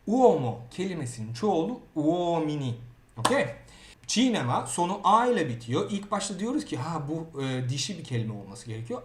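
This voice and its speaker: A Turkish-speaking man teaching grammar in a lively way, often checking in with the learner. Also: fairly high pitch, reverberant. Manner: lively, repeats words and asks "okey?". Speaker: Italian teacher. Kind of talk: grammar lesson.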